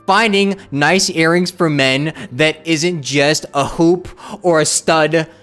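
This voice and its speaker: A man's voice: a little high, takes it slowly, fairly bright tone, smooth. A man streaming a game with casual, informal commentary, repeating phrases for emphasis. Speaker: live streamer. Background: game music.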